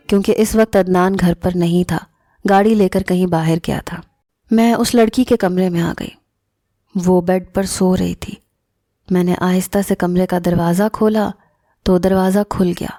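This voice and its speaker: A woman narrating a first-person story in a calm, measured storytelling manner. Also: fairly low pitch, no room sound, clean studio sound. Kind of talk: scripted narration.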